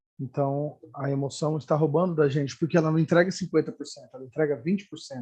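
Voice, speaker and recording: A man talks at a very fast pace in a somewhat breathy voice. His pitch is fairly high and his intonation fairly even. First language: Portuguese. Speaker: simultaneous interpreter. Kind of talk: simultaneous interpretation.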